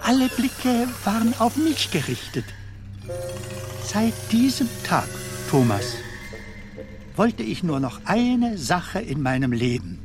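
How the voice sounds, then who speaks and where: An actor playing an elderly, wistful comedian telling stories in a theatrical radio drama manner, with dramatic pauses. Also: male voice, high-pitched, very animated, exaggerated voice. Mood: earnest. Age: older. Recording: music under the voice.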